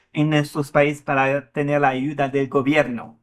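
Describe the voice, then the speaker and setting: Against a quiet background, a man with a French accent talks at a fairly high pitch. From France. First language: French (speaking Spanish). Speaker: economics professor; interviewee. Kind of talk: interview. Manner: halting, with many fillers and repetitions. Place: studio. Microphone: lapel.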